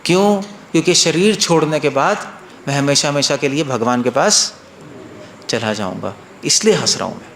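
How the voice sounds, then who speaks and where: A man voicing a cheerful, laughing old male Buddhist monk who calmly explains himself, recorded in a room with some echo. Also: a little high, normal speed, creaky. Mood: serene. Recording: roomy echo, faint noise.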